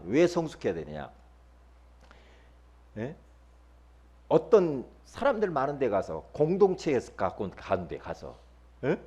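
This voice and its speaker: A middle-aged male pastor preaching a sermon, emphatic, swinging from loud bursts to low murmurs and acting out quoted churchgoers. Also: husky. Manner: acts out quoted church members in quick asides.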